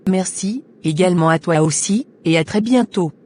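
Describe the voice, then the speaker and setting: A woman voicing a kind, devout character in a Christian cartoon, with a husky voice and gentle, formal delivery. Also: fairly low pitch, normal speed, a little hiss or hum, lightly acted. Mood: supportive. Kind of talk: scripted Christian animation dialogue.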